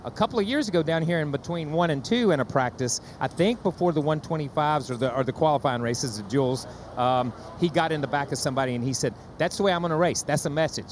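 A man's voice: on the high side, fast, few pauses, a little hiss or hum. A man working as a racing analyst, talking animatedly and often repeating words as he starts a thought. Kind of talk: studio commentary panel.

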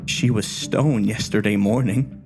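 A man reading a story aloud, voicing an obsessive, unhinged doctor who speaks with quiet menace. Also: fairly low pitch, steady tone, measured pace, soft background music. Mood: dreamy.

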